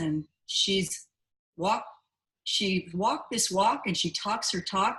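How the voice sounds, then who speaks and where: A woman's voice at a medium pitch. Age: 50s. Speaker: network marketing leader. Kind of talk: casual chat. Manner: animated.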